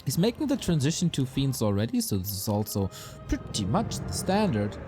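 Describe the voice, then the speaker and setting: A man casting an esports match play by play, his voice a little raspy, breaking into quick bursts of excitement at big plays. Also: mid-range voice. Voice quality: slightly raspy. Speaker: esports caster. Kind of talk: play-by-play game commentary. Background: game music.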